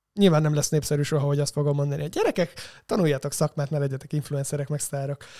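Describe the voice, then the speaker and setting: At a very fast pace, a dark, mellow, somewhat breathy voice keeps fairly even intonation over a quiet background. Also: man, fairly high pitch for a man. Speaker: pop musician; podcast guest. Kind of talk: casual interview. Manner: frequent distinctive laughter. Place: studio. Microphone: studio mic.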